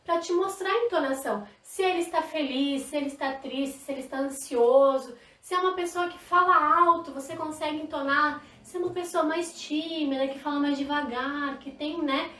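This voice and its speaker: A woman from Brazil teaching a live online sign language class, lively and demonstrative. Her voice is high. It is picked up a little off-mic in an echoey room. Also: moderate pace, few pauses, far from the mic. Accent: Brazilian Portuguese. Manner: lively, demonstrative, talks to viewers directly. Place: indoor room, live stream.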